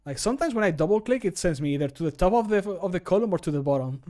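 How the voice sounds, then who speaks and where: Joking man, slightly high voice. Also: animated, racing, dark tone. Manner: self-deprecating, joking. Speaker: streamer, amateur voice actor. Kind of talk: casual chat while recording. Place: small home room, indoors.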